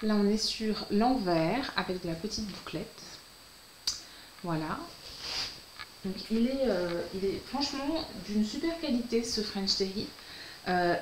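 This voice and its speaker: A woman's voice: medium pitch, reverberant, a little hiss or hum, low-quality recording. A woman hosting a casual fabric unboxing vlog from home, chatty and enthusiastic, often saying how delighted she is. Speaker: sewing vlogger and host. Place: at home, filming at night.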